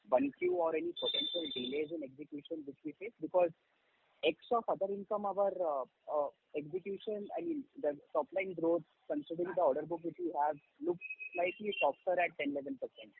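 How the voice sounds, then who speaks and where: A man's voice: high-pitched, gravelly, breathy edge. A male analyst politely asking about execution delays on an earnings call, addressing the executive as sir. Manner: polite, deferential, says sir. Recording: tinny phone line.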